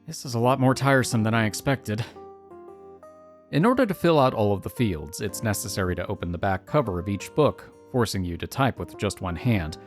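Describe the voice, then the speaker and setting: A woman's voice: very deep voice, lively intonation, brisk, faint music behind. A woman reading visual novel text aloud as a let's player, slipping in casual, wry, joking asides.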